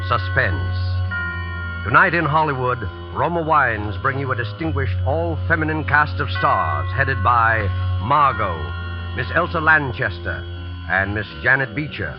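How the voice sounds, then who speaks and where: A man hosting and narrating a 1940s radio suspense show in a measured, ominous way. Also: mid-range voice. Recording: muffled 1940s radio broadcast with music.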